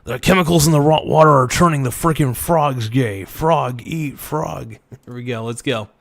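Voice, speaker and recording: A man hosting a casual livestream reaction, his voice worn hoarse, rambling and loudly thanking donors. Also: mid-range voice, normal speed, no echo. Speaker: livestream host.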